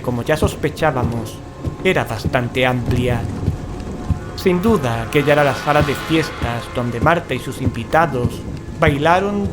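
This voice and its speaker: A man's voice: a little high, lightly acted. A man playing a frightened paranormal investigator in a horror audio drama, telling of a haunted house with dramatic unease. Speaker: narrator and character in an audio drama. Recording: music behind the voice.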